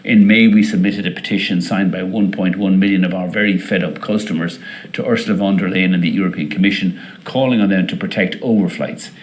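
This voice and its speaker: A man presenting company results as an airline executive, semi-scripted, in a deliberate, hesitant delivery with frequent pauses. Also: low voice.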